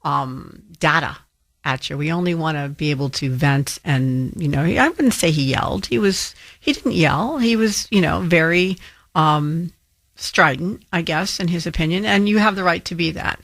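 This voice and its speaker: A woman's voice: low-pitched, normal speed, a bit bright, no echo. Dry-voiced, argumentative female radio host. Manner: firm and argumentative, with frequent ums. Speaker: fill-in talk radio host. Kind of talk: talk radio commentary rebutting a caller.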